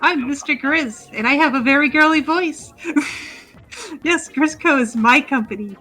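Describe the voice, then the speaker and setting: A woman's voice: measured pace, pushed and bright, soft background music, low-quality recording. Folksy bear boss, read by a woman. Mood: folksy, salesy. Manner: friendly sales-pitch read with giggles.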